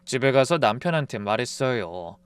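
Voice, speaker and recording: A man narrating a first-person family drama story in a calm, confiding tone, close to the mic. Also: mid-range voice, moderate pace, clear, resonant tone, no room sound.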